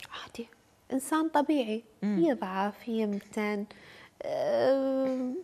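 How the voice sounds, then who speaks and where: A woman with a high pitch and a dark, mellow tone speaks very slowly in a Kuwaiti accent. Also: ordinary pitch variation. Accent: Kuwaiti Gulf Arabic. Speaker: fashion influencer. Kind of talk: casual talk show interview; interview answer. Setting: studio with audience. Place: studio.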